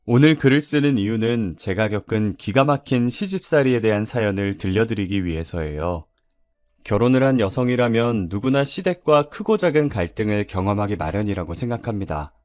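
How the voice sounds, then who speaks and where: Brief: male narrator reading a viewer's story, lively intonation, dry recording. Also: lowish voice, brisk, no room sound.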